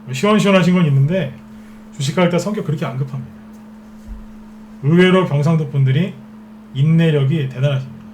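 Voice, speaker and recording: A man's voice: on the high side, brisk, pauses often, darkish tone. Korean man lecturing on stocks, faint hum. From Seoul capital region. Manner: rhetorical questions, answers himself. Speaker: stock market expert.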